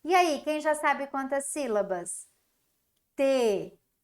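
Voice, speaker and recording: High, slow-spoken Brazilian teacher woman. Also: lively intonation. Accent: Brazilian Portuguese. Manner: slow, sing-song teaching voice with drawn-out syllables and praise. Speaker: primary school teacher. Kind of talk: recorded remote class for young children.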